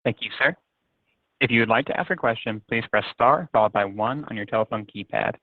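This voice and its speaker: Quick-talking male phone operator, dry line. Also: lowish voice, no room sound, narrow, tinny audio. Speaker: conference call operator. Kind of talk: scripted call instructions. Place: telephone conference line.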